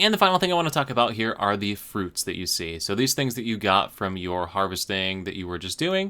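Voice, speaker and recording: A man talks at a very fast pace with an American accent. His tone is bright and sharp, with lively intonation. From New York. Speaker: gaming YouTuber. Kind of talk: tutorial. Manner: animated.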